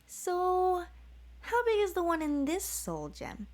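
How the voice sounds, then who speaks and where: A woman's voice: extremely high pitch, wildly swooping pitch, slow, darkish tone, pitched above the performer's own voice, full character voice. A woman doing a sullen naive young man. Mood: curious.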